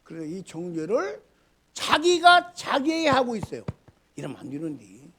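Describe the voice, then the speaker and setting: A middle-aged male pastor preaching a sermon in a colloquial style, with loud outbursts, low mutters and rhetorical questions to the congregation. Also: wildly swooping pitch, moderate pace, breathy edge.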